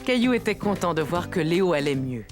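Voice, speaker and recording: A woman playing a gentle storybook narrator for a children's cartoon, telling the story expressively. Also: fairly low pitch, lively intonation, a little fast, music in the background, natural voice. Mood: storytelling.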